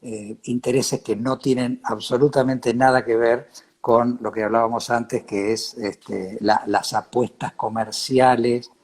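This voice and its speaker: A man with an Argentine accent in a casual interview chat, halting and repeating words as he searches for the next one. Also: medium pitch, flat delivery, breathy edge. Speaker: interviewer with acting experience.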